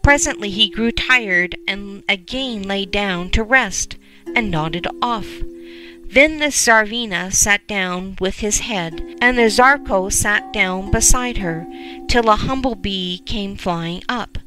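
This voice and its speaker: A woman narrating a folk tale in measured storytelling. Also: mid-range voice, bright, forceful tone, faint music behind, rough recording.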